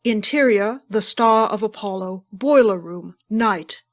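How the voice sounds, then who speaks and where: A woman's voice: mid-range voice, unhurried. Female narrator: mid-range voice, reads scripted audio drama scene descriptions.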